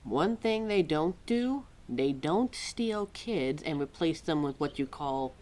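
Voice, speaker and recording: A woman playing a quirky, exasperated, motherly keeper of forgotten lore in an ad-libbed audio roleplay, chatty and wry with halting, musing asides. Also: deep voice, animated, a little mellow. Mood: wry, amused. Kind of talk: ad-libbed ASMR-style roleplay, talking to a listener.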